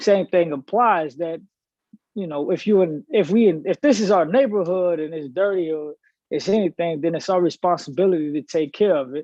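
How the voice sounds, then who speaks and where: With an American accent, a man speaks at a moderate pace in a high pitch with ordinary pitch variation, the sound dry and close with no echo. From US Midwest. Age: young. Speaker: former prisoner, community activist. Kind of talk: panel discussion.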